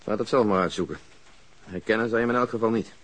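Sardonic detective played by a man, husky lowish male voice, dry grumbler, radio drama. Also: quick pace, natural voice. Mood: dry, grumbling. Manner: deadpan, sardonic. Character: dry, grumbling police detective with morbid candour. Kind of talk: Dutch radio crime drama acting.

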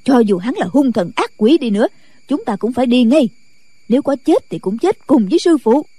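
A woman's voice: fairly high pitch, lively intonation, a little fast, dark tone, husky, no room sound. A woman voicing an earnest, pleading middle-aged Buddhist nun in an audiobook. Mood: resolute. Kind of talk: audiobook character voice.

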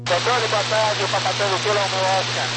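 Male pilot, Brazilian accent, high pitch, terse radio calls buried in loud static and hum. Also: little pitch movement, fairly quick. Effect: radio transmission. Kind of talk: clipped pilot radio readbacks.

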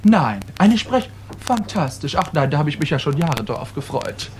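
A man's voice: a little high, sing-song, normal speed, background noise, pitched below the performer's own voice. A man voicing a meek elderly stage actor who gushes with delight over a tiny role. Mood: gushing. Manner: gushing, delighted. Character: meek elderly male bit-part actor, eager.

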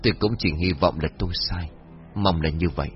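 A man's voice: deep voice, muffled recording, soft background music, pitched below the performer's own voice, lightly acted. Man doing a grave old exorcist. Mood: grave, urgent. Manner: slow, grave and warning. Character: grave elderly male fortune-teller and exorcist, stern.

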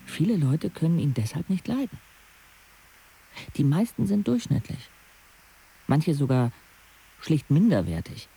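A man's voice: mid-range voice, gravelly, warm tone, husky, full character voice, rough recording. An actor playing a sardonic, observant sixteen-year-old disabled boy who narrates a radio drama frankly and reflectively.

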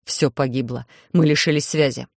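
Reader plays an anxious middle-aged professor, earnest and low-key. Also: fairly even intonation, normal speed, creaky, no echo, clean studio sound. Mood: worried.

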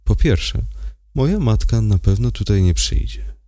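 A man voicing a wry, playful woman detective in a higher voice. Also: animated, measured pace, mellow, no echo, studio quality. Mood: teasing. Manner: teasing, raised pitch.

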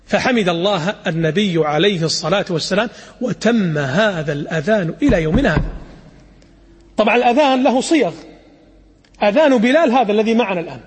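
A man preaching to an audience, telling stories lively and acting out the quotes, with a husky voice. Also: high voice. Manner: lively, acts out quotes, demonstrates call to prayer recitation. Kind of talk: sermon storytelling to an audience. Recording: reverberant hall.

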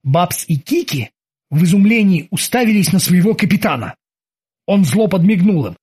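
An expressive audiobook narrator reads the chapter aloud. The voice rises and falls widely, with a husky, breathy texture. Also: mid-range voice, normal speed. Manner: expressive reading.

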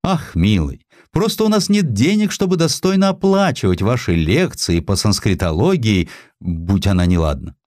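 A man voicing a scholar's gentle, worried and devoted wife in dramatised audiobook dialogue, pleading softly. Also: fairly low pitch, sing-song, normal speed, dry recording, clean studio sound. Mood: apologetic.

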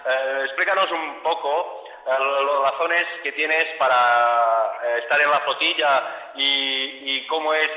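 A man's voice: mid-range voice, steady tone, slow, pushed and bright. A man interviewing a guest on the radio, speaking hesitantly with frequent "eh" fillers and restarts. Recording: echoey hall, dull lo-fi sound.

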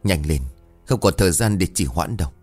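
A man's voice: sits low, animated, fairly quick, a little mellow, no echo, soft background music. A man voicing a woman in her fifties, old and fierce, giving urgent hissed orders in a horror story. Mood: bitter. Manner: urgent hissing whisper, hard commands. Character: frightened old village mother, fierce and bitter.

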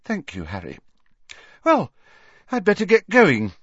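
A clever teenage girl, as a man puts her on, pitched high, her words clipped and strained. The recording is dull and dry, with no room sound. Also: huge pitch swings, measured pace, a bit bright, breathy edge, no room sound, heavily acted.

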